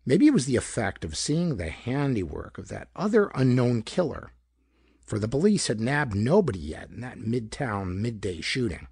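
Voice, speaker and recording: A man reading a pulp detective story aloud as scripted narration, with a slightly rough voice and dramatic, expressive delivery. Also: medium pitch, moderate pace, dry recording, studio quality. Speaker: audiobook narrator.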